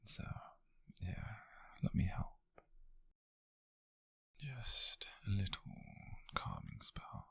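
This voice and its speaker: A gentle, devoted witch mentor played by a British man murmurs in intimate ASMR roleplay. His voice is extremely breathy and half-whispered, close and very dry. He goes slowly, soothing and lightly teasing with softly formal phrasing. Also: lowish voice, wildly swooping pitch, no echo, exaggerated voice. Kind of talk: ASMR roleplay addressed to the listener.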